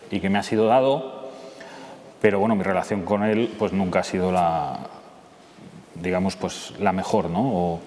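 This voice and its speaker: A man in his forties with a Madrid accent gives an informal testimony. His voice sits fairly low and he talks conversationally, often checking in with his listeners. The church hall adds long reverb, with noticeable noise behind him. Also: darkish tone. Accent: Castilian Spanish from Madrid. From Madrid, Spain. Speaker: speaker giving a testimony. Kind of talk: informal personal testimony to an audience. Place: church interior, seated at a table. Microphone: lapel microphone. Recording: echoey church hall, clear background noise.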